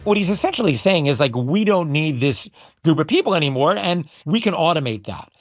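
A man's voice: a little high, very animated, brisk, no echo, studio quality, soft background music. A man, an entertainment reporter, explaining the story in casual chat with emphatic asides.

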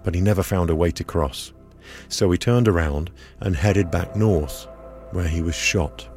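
A man reporting outdoors, narrating a documentary story in a calm, measured way. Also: low-pitched, faint music behind. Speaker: radio reporter. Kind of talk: scripted documentary narration with field interviews. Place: outdoors at a border wall, in the hot sun.

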